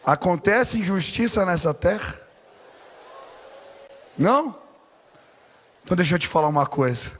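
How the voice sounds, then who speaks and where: A man with a Brazilian Portuguese accent preaching a sermon as pastor, telling stories animatedly and building to shouted exclamations. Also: high-pitched, lively intonation, unhurried, long pauses. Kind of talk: sermon with personal storytelling. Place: large church sanctuary. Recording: long hall reverb in a church.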